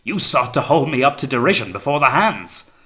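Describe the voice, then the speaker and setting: A man acting a forceful, paranoid navy captain. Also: lowish voice, animated, normal speed. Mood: paranoid rage. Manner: theatrical, accusing, taunting, swings from quiet menace to blaring. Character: paranoid, sneering, tyrannical male naval captain, raging and suspicious. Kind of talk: dramatised audiobook reading of sea fiction.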